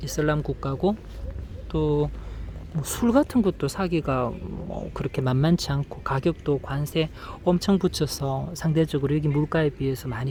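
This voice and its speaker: A man talks at a fairly slow pace and a fairly high pitch. Noticeable background noise runs underneath. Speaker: travel vlogger. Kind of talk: casual vlog monologue. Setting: outdoors on a park bench. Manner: halting, many fillers.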